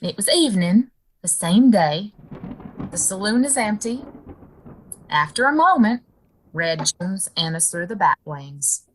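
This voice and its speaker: A woman's voice: medium pitch, sing-song, unhurried, pauses often, a little hiss or hum, rough recording. A woman reading scene headings and stage directions as narrator of an audio play. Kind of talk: scripted narration.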